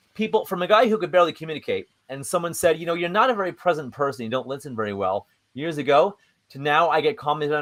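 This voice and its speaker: Vocal fry runs through a man's fairly high voice as he talks very fast with lively intonation. The sound is dry and close, with no echo. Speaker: communication coach. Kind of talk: live workshop.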